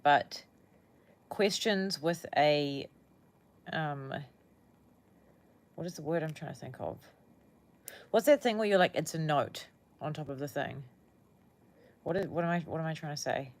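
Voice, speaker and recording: A woman's voice: deep voice, measured pace, pauses often. A young woman with a New Zealand accent chatting casually with viewers on a livestream, rambling and often searching for words.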